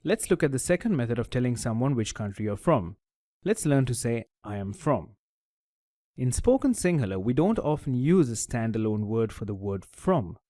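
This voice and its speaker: A man teaching a language lesson in a scripted voice-over, his pitch rising and falling with lively emphasis. He explains each step in a clear, methodical way. The recording is dry and close, with no room sound. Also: moderate pace, no echo. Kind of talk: scripted tutorial narration.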